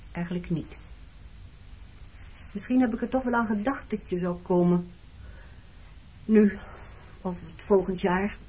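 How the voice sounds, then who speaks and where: A woman acting in a radio play as a hurt, reproachful married woman facing her former lover, speaking in a measured, intimate, accusing way with a slightly husky voice. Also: on the low side, darkish tone. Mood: wistful, subdued. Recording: dull lo-fi old radio recording.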